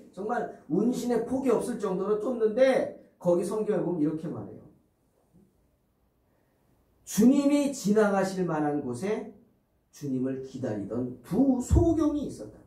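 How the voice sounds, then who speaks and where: A man's voice: high-pitched, mellow. A male pastor preaching a sermon with dramatic storytelling, asking the congregation rhetorical questions. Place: church sanctuary. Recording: roomy, distant church recording.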